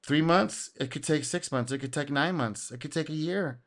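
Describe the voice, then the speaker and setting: A man hosting a casual reaction video, speaking in an animated way, laughing and acting out quotes, his voice going a little hoarse. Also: on the high side, normal speed. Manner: animated, exclaims and laughs, acts out customer quotes. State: getting hoarse.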